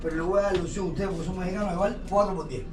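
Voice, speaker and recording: Fast-talking man hawking art. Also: sits high, fairly even intonation. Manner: insistent, salesman-like. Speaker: street artist selling his work. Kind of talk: sales pitch. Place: outdoors in a street gallery. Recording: noisy outdoor ambience.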